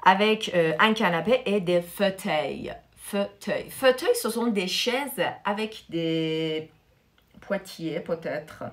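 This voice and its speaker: A French teacher whose native language is Persian runs a live online class, moving between French and Persian. Her mid-range voice has lively intonation, and she says each vocabulary word slowly and more than once, stressing how it's pronounced.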